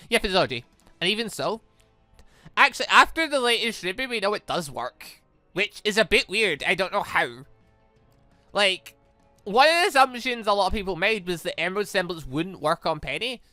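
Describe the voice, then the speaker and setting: Game music plays as a let's play host offers loose commentary and reads visual novel dialogue aloud, repeatedly rephrasing while thinking out loud. The voice is medium-pitched on a dry recording.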